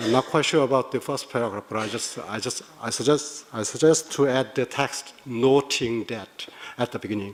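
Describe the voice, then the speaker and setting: Over noticeable background noise, a man talks at medium pitch and a moderate pace with fairly even intonation. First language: not English. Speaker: government delegate. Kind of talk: formal intergovernmental statement. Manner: formal.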